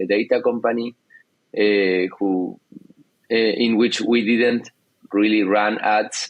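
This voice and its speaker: Argentine man, 30s, interview guest, lowish voice, dry close sound, halting delivery with fillers. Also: no room sound, rough recording. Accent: Argentine Spanish. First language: Spanish. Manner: hesitant, many fillers and restarts. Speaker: guest entrepreneur. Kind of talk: casual interview talk.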